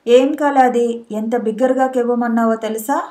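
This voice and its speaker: A woman's voice: a little high, steady tone, normal speed, mellow, natural voice. A woman voicing an anxious, caring young husband in a storybook reading, with a concerned, soothing manner. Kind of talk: audiobook character voice.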